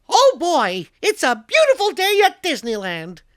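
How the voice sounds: A put-on character voice with an extremely high pitch and a cheerful tone. It moves at a moderate pace.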